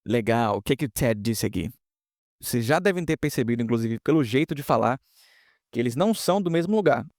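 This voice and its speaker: A man's voice: medium pitch, expressive, brisk, a little mellow, dry recording, clean studio sound. A man teaching English pronunciation in a casual online lesson, explaining step by step and often checking in with students.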